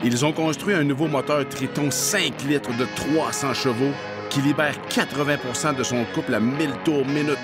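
A man's voice: mid-range voice, steady tone, moderate pace, loud music behind the voice. A middle-aged man working as a voice actor, reading scripted narration.

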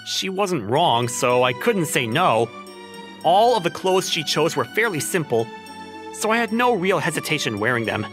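Awkward single young man, played by a male actor, wry and self-questioning, animated delivery for a manga romcom. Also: fairly high pitch, moderate pace. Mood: resigned, hesitant. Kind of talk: manga dub acting and narration. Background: music.

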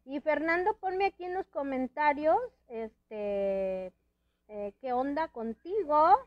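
A woman's voice: high-pitched, expressive, takes it slowly, no room sound, lo-fi sound. A woman hosting a casual live-stream chat from a friend's house, rambling with many restarts and little laughs, her speech a bit hampered by a dental palate. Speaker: host.

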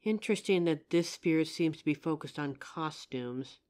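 This young adult woman performs a scripted audio roleplay as a young psychic, speaking to the listener with polite assurance and an earnest, helpful confidence. Her voice is deep, a little mellow and natural, at a normal pace.

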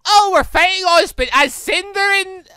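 A British gamer giving excitable, rambling let's play commentary and often breaking off mid-thought. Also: very high voice, normal speed, no room sound, studio quality. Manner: excitable, rambling, self-interrupting. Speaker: gaming video host. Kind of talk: let's play commentary, reading dialogue aloud. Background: game music.

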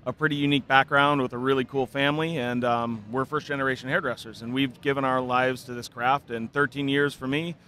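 A man in his thirties talks earnestly into a close desk mic, his voice bright and forward. He lays out his answers in a measured, thoughtful way. Faint trade-show chatter hums behind him. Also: mid-range voice, little pitch movement, a little hiss or hum. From Spokane, Washington, United States. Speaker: hairdresser and product developer, guest. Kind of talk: casual interview. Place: booth at a busy trade show hall. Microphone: desk mic on a stand, close.

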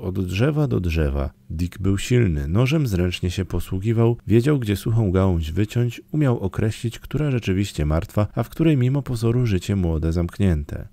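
A man reading a children's classic aloud as an audiobook narrator, telling the story in an expressive way. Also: sits low, creaky, no echo. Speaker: audiobook reader.

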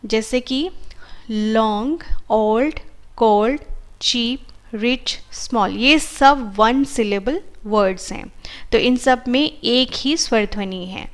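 A woman's voice: on the high side, slow. A woman with an Indian English accent teaching a grammar lesson, patiently repeating each rule with examples. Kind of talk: explaining a grammar lesson in Hindi with English terms.

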